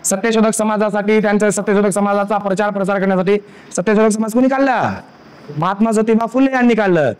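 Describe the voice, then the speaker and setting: Guy with a really high voice teaching grammar, keeps asking if you got it. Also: fast, smooth. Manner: repetitive, checks understanding with frequent questions. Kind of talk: online exam-prep grammar lesson.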